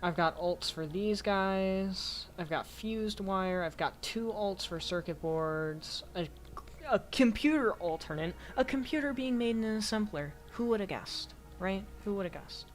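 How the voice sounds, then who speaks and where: A hoarse young woman streaming a game, rambling casually and talking to herself as she plays. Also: mid-range voice, animated, a little slow, faint music behind. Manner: rambling, talks to herself while playing. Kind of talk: casual gameplay commentary.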